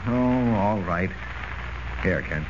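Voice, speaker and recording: An actor playing a blustering, sarcastic newspaper editor with a gruff manner, in 1940s radio acting. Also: male voice, lowish voice, lively intonation, takes it slowly. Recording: dull, hissy old radio recording.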